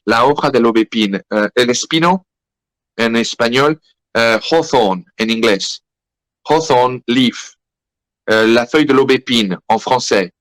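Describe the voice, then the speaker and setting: A man with a French accent speaking Spanish as a second language in a podcast interview, halting and searching for words. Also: mid-range voice, fairly bright tone, no echo, low-quality recording. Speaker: guest.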